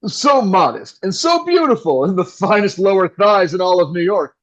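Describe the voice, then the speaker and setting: A man's voice: sits high, big pitch swings, moderate pace, a bit bright, highs cut off. A man playing a flustered, melodramatic 1960s New York radio host with theatrical announcer delivery in an audio drama. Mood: gushing, theatrical.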